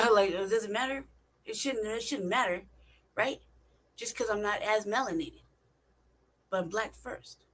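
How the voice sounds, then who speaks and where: A woman's voice: medium pitch, a little slow, long pauses, a bit bright. A woman from California talking in a casual monologue, swearing often, stressing her points and asking rhetorical questions. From California, United States. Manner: profane, emphatic, rhetorical questions. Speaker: vlogger.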